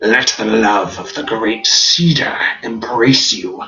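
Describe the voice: A man puts on a character voice at a medium pitch and talks very slowly.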